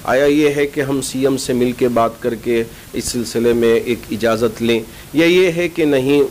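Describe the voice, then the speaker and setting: Middle-aged male cleric, mid-pitched, measured formal statement with pauses, indoor recording with noise. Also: a little mellow, low-quality recording. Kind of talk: spoken public statement to camera. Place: small indoor office lined with bookshelves. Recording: clear background noise, low rumble.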